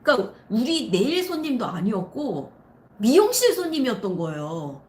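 Animated woman storyteller in a roomy space. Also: fairly high pitch, normal speed. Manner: animated, acts out quoted people in the story. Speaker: nail artist and channel host. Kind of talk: casual live-stream storytelling. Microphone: live-stream setup. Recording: roomy echo with faint ambience.

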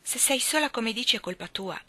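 A woman reading aloud, voicing a kind young woman who speaks gently and earnestly. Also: fairly high pitch, expressive, fairly quick, dry recording.

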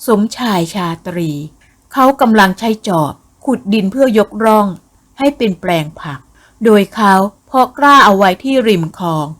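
A woman narrating a Thai ghost novel as an audiobook, with a measured, expressive reading. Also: mid-range voice.

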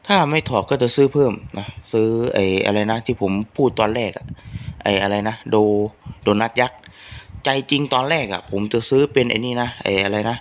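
A man's voice: medium pitch, moderate pace, a little hiss or hum. A man hosting his own channel, chatting casually to his followers in a rambling, homely way with lots of fillers. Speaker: channel host. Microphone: phone microphone.

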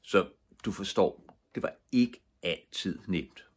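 Older male storyteller, deep and husky, bedtime read-aloud. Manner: lively storytelling with voiced characters. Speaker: audiobook reader.

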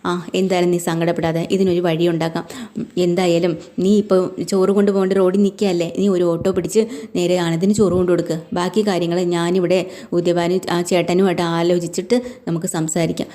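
A woman voicing a brisk middle-aged mother who scolds her daughter but reassures her. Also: on the low side, flat delivery, mellow, close to an everyday voice.

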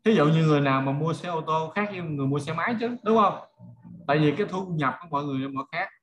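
A man's voice: on the high side, very fast, a bit bright, a little hiss or hum. A middle-aged man with a Southern Vietnamese accent teaching informally on a video call, using everyday examples and often checking that listeners follow. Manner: conversational, checks listeners follow with rhetorical questions. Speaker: online marketing trainer.

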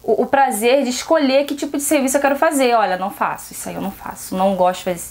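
A woman's voice: on the high side, racing, a little mellow. A seamstress with a Brazilian Portuguese accent talks frankly to her viewers in a casual advice vlog, often asking rhetorical questions. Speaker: seamstress vlogger.

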